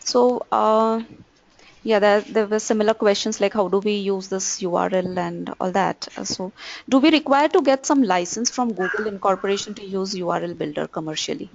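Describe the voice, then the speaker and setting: A woman hosting a webinar question session, speaking haltingly with pauses mid-sentence. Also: mid-range voice, vocal fry, highs cut off, a little hiss or hum. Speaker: webinar host. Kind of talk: moderating an audience question session.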